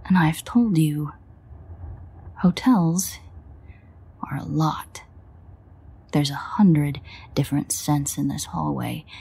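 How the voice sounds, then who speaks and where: A woman playing a sardonic, exasperated vampire in an audio roleplay, grumbling and swearing in a husky near-whisper. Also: sits low, slow pace, pauses often, warm tone, exaggerated voice. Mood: weary, grumbling. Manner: sarcastic, profane, grumbling. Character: sardonic, exasperated female vampire, reluctant ally. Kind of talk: audio roleplay addressed to the listener.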